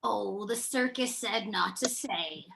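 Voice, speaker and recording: A woman's voice: mid-range voice, slow pace, creaky, a bit bright, a little hiss or hum. A woman playing a sad, childlike clown monster, coaxing with false innocence, in a screenplay table read.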